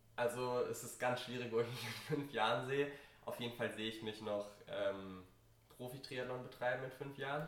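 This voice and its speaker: There is audible room echo as a man talks at a moderate pace. His pitch is medium and his intonation fairly even. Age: 20s. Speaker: triathlete. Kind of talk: interview. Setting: in person.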